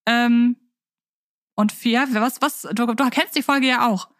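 A woman speaks as a podcast host, with a voice pitched a little high. She moves between casual chat and reading aloud. The sound is dry, with hardly any room on it. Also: fairly even intonation, takes it slowly, dry recording.

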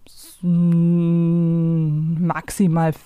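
A woman's voice: lowish voice, monotone, very slow, dark tone, clean tone, no echo. A woman chatting casually as a co-host playing a guessing game. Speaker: podcast co-host.

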